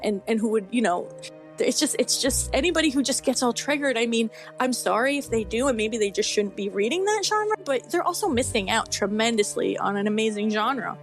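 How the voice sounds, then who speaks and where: A woman in her forties chatting casually as an interview guest, effusive and excitable, often exclaiming. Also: on the high side, a little fast, faint music behind. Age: 40s. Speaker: guest horror author.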